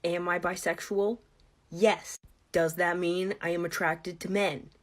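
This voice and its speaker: A trans man asking himself questions and answering them with wry deadpan humor in a comic monologue. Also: sits high, a little slow. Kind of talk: comedic monologue to camera.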